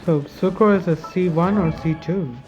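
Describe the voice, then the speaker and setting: Slow, halting woman gaming streamer. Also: on the low side, dull audio. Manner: halting, thinking aloud. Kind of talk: casual gameplay commentary. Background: faint game music.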